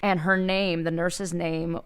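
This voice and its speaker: A woman's voice: on the low side, little pitch movement, slow, clean tone. A woman co-hosting a podcast, chatting and telling stories in a playful, irreverent way, with bits of Spanish slang mixed in. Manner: bilingual, drops Spanish slang into English. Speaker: podcast co-host. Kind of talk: casual comedic storytelling chat.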